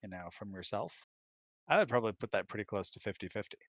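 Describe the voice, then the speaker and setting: A middle-aged man with a fairly low voice, recorded dry and close. He chats informally about relationships and often slips into imagined quotes to make his points. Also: animated, quick pace, no room sound. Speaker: guest on spouse's hangout. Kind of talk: casual relationship chat.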